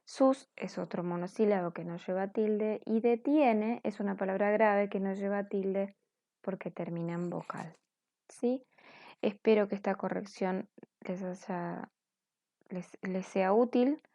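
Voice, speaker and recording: A woman's voice: mid-range voice, a little slow, warm tone, dry recording. A woman teacher going over corrected grammar exercises in a patient, explanatory way, often checking in with her students. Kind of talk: recorded class correction lesson.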